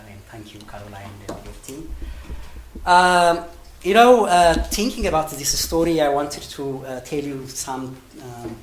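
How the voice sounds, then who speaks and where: A man's voice: mid-range voice, echoey room, slight background noise, low-quality recording. A middle-aged man from Ethiopia with an Ethiopian accent, whose first language is Amharic, telling a personal story to an audience with many fillers and restarts, often laughing between phrases. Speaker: storytelling speaker.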